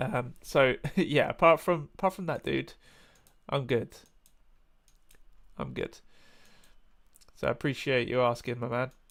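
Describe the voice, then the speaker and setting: A man with vocal fry and a medium pitch speaks with ordinary pitch variation and long, frequent pauses. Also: fairly slow pace. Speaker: forex trading streamer. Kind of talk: live stream chat with viewers. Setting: live stream, face cam off.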